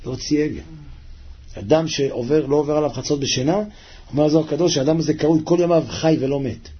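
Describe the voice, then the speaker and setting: A man giving a Hasidic sermon to a class, moving between soft pleading and loud urging. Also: on the high side, steady tone, husky. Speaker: rabbi giving a Torah class. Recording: slightly muffled lo-fi recording.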